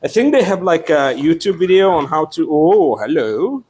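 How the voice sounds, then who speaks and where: A man's voice: a little high, expressive, fairly quick, darkish tone, husky. A man chatting casually and unscripted as he unboxes a product, with playful, sweary asides.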